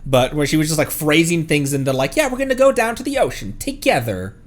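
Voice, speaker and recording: A man's voice: on the high side, sing-song, fast. A man giving casual live stream commentary on a game, musing in a slangy way with some mild swearing. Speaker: streamer reacting to game voice lines. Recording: faint music behind.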